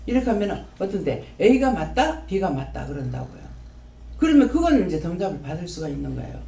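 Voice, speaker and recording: Gyeongsang woman pastor, lively sing-song delivery, folksy, acts out dialogues, mic off at a distance in a reverberant hall. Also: medium pitch, fast talker, vocal fry. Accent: Gyeongsang Korean. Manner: animated, folksy, acts out her prayers and God's answers. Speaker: preacher at a prayer house. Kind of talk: sermon. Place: prayer house hall.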